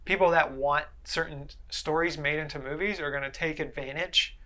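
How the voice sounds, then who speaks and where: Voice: mid-range voice, steady tone, moderate pace, bright, forceful tone. A co-host of a movie review show chatting casually, in an informal, wry way. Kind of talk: casual chat about movies.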